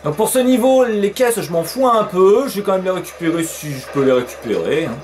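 A man's voice: high voice, expressive, brisk, darkish tone. A man giving casual let's play commentary, chatty and peppering his talk with fillers, swearing when surprised. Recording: faint game music behind.

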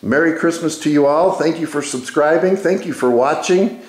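A man hosting an informal walk-through of his shop, casual and a little halting as he thinks aloud. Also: on the high side. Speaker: woodworking video host. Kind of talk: informal narrated shop tour. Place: indoor wood workshop. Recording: echoey workshop room.

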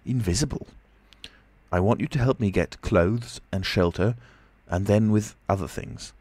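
A man's voice: on the low side, measured pace, darkish tone, no echo, pitched above the performer's own voice. A man voicing a commanding, menacing invisible man in an audiobook, speaking urgently and domineeringly. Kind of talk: audiobook character voice.

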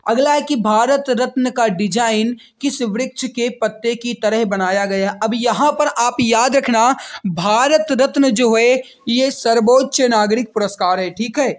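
A man's voice: extremely high pitch, a little slow. Male exam coach teaching by quiz. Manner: repetitive, emphatic coaching with frequent reminders. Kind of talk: quiz-based lesson, addressing students directly.

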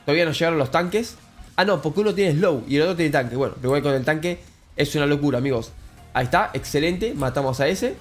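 A young man with a Rioplatense Spanish accent giving excitable Let's Play commentary, addressing viewers as friends. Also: fast talker, faint music behind. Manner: excitable, calls viewers "cracks" and "amigos", jumps high when thrilled. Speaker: gaming YouTuber.

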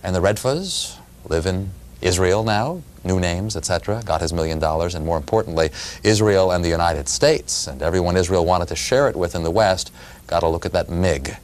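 A man in his thirties from New York City, a radio reporter and author, answering interview questions in a measured, storytelling way in a television studio on a lapel mic. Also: low voice.

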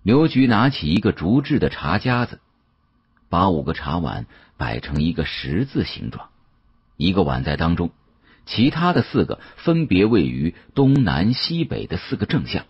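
A man with a husky voice narrating an audiobook in an animated storytelling style. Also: low-pitched, normal speed, dry recording, dull audio.

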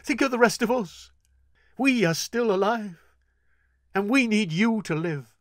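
An earnest young man, heavy with grief, pleads with his sister in a voice close to the reader's own, as a man plays him. His words come slow, even and unhurried, and the recording is dry, with no room sound. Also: high voice, dry recording, pitched above the performer's own voice. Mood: urgent. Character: young man, grieving elder brother, earnest.

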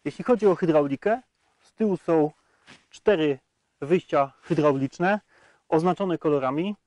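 A man's voice: on the high side, measured pace, darkish tone, no echo. A man in his thirties presenting a tractor test outdoors in a field, talking with frequent hesitation sounds between facts. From Poland. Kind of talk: product review walkaround.

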